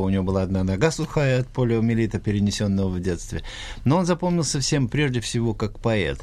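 A man co-hosting a radio talk show who tells stories in a measured way and introduces the next track. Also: mid-range voice, warm tone. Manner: measured storytelling. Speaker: radio co-host.

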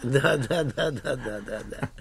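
A man's voice: medium pitch, unhurried, gravelly, crowd noise. A man co-hosting a radio show, encouraging and prompting the guest. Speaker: radio co-host. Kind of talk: radio interview.

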